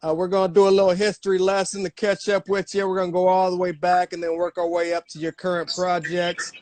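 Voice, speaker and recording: A man's voice: high voice, monotone, quick pace, darkish tone, dry recording. Easygoing male interview host. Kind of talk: casual interview.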